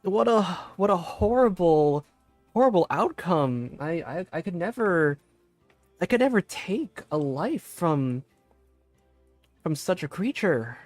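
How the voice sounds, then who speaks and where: A woman's voice: on the low side, sing-song, slow pace, darkish tone, no echo, faint music behind. A young woman giving casual live commentary as a game streamer.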